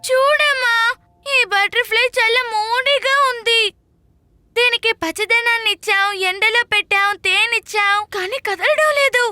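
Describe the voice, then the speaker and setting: A performer voicing an excitable, curious small child in a children's cartoon, with drawn-out exclamations. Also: very high voice, no room sound, exaggerated voice. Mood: puzzled, earnest. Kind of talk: animated children's cartoon dialogue.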